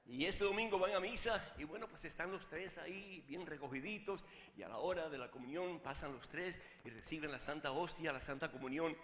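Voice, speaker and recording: A man preaching as a Catholic priest, swinging from hushed asides to shouted fervor. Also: a little high, brisk, echoey room, long reverb tail, slight background noise. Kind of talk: sermon with a joke.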